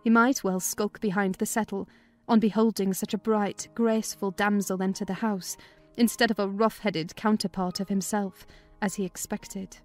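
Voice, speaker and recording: A woman's voice: mid-range voice, level tone, normal speed, darkish tone, soft background music. A woman narrating a classic novel as a scripted, dramatized audiobook reading.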